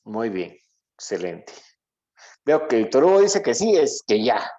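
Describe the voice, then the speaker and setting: A man's voice: medium pitch, very animated, a little slow, dark tone. A man teaching a Bible class, reading verses aloud and often checking that his listeners follow along. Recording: dull lo-fi sound.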